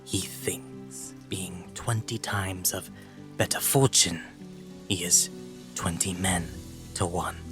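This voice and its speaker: A man's voice: low-pitched, fairly even intonation, slow, over music. A man acting a loyal, blunt veteran soldier and wry adviser in a Shakespearean audio drama. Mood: dry, defiant.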